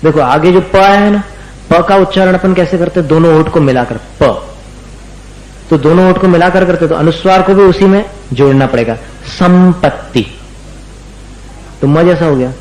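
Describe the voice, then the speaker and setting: During a lesson on religious recitation, a man speaks patiently, slowly stretching and repeating words so his students can echo them. He is a religious teacher with a fairly high, darkish voice, captured in a roomy, low-quality recording.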